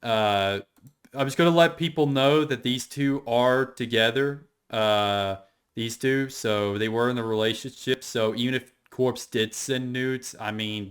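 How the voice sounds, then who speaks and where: Working through screenshots, this online drama explainer talks off the cuff, opinionated and rambling, circling back to the same points. His pitch is fairly low, and his tone is clean and fairly bright.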